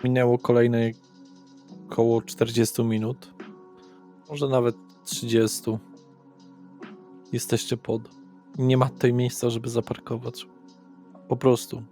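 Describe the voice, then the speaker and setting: A man runs a tabletop roleplaying game as its narrator. His voice sits at a medium pitch and stays fairly even, with music playing faintly behind him. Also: takes it slowly, long pauses. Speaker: game master.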